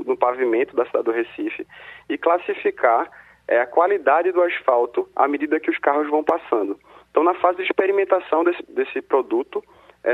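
Man, Brazilian accent, crackly tinny phone line, husky voice, step-by-step explaining. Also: a little high. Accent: Brazilian Portuguese. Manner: explains step by step, often trailing into tag questions. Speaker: city innovation secretary. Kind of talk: interview answers by phone.

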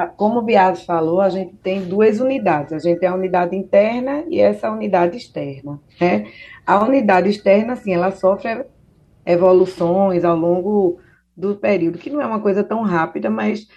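Female physician guest, calm explainer, dark soft timbre, dull lo-fi audio. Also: on the low side. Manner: explanatory, many fillers like "né". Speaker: ENT doctor guest. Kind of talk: radio interview answers.

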